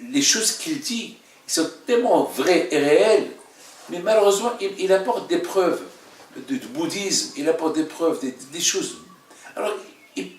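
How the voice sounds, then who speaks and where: Halting, emphatic man teaching in an echoey room. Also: on the high side, slight background noise. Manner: repeats phrases, halting, emphatic. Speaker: religious teacher, rabbi leading a class. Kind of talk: informal religious lesson with questions. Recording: echoey room, mic at a distance.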